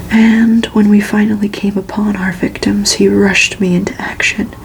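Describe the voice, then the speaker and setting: Female ASMR reader: whispered storybook narration, crackly fry, very even intonation, soft and breathy. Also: medium pitch. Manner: slow, soft, unhurried delivery. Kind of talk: ASMR whispered novel reading.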